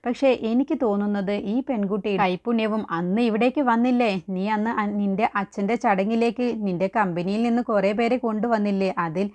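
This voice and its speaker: A woman's voice: medium pitch, brisk, few pauses, darkish tone, lightly acted. A woman voicing a stern, suspicious middle-aged mother who questions and scolds, within a story recap. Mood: scolding.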